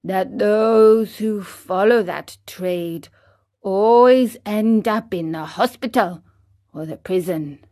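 A woman reading a storybook aloud, voicing a wise old male cricket who speaks in a calm, measured, moralizing way. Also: on the high side.

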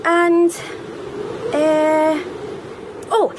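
A woman's voice: sits high, little pitch movement, drawn-out words. A woman playing a bossy, chatty schoolgirl vlogger with a British accent in a children's radio drama. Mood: chatty, eager. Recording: clearly noisy background ambience.

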